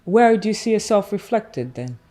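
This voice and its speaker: A woman who grew up in England, asking an interviewee measured, thoughtful questions. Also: medium pitch, expressive, warm tone.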